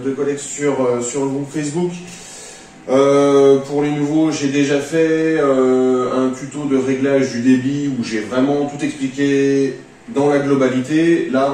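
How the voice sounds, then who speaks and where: A man's voice: mid-range voice, warm tone. A man presenting an informal spoken tutorial, explaining things in a practical, step-by-step way. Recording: very echoey room, distant mic, faint noise.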